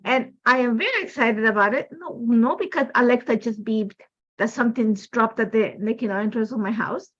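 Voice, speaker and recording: Chatty Ecuadorian woman, slightly high voice. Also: normal speed, fairly bright tone, highs cut off. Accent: Ecuadorian Spanish. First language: Spanish. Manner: rambling and chatty, full of "like, you know" fillers. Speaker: design team member hosting a live crafting demo. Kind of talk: casual live-stream chat. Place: at home.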